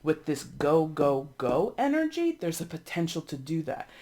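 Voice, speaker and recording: A congested, sniffly tarot reader in their thirties talks through a reading in a loose, chatty way. The delivery is blunt, with casual swearing, and key words get repeated for punch. The pitch sits in an unremarkable middle range. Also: very animated, moderate pace, a little mellow.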